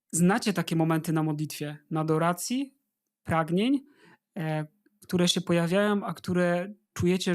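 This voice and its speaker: A man giving informal spiritual advice as a guest, earnestly urging listeners and addressing them directly. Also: high voice. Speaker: interview guest, religious brother.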